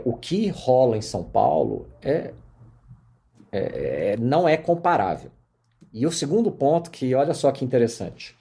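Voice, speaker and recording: A middle-aged man from Minas Gerais with a Mineiro accent, telling his career story as a podcast guest in lively casual conversation. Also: mid-range voice. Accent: Mineiro Portuguese. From Minas Gerais, Brazil. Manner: animated storyteller, many fillers.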